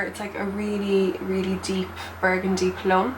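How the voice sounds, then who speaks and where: A woman speaks at a medium pitch and moderate pace with monotone, flat intonation. Audible room echo and noticeable background noise are present. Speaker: beauty YouTuber. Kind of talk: makeup tutorial. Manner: casual, filler-heavy.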